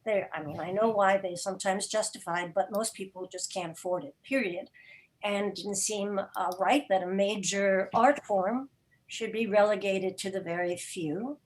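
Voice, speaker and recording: A mature woman speaking reflectively as an interview guest on a video call, articulate, with thoughtful pauses mid-sentence. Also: mid-range voice, poor audio. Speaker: interview guest, theater podcast producer. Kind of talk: reflective conversational talk. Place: indoor room, video call.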